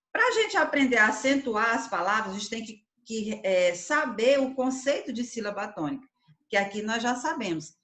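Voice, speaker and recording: A woman's voice: on the high side, bright, forceful tone, reverberant. A woman teacher giving a grammar lesson, explaining step by step and answering her own questions for the class. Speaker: Portuguese teacher.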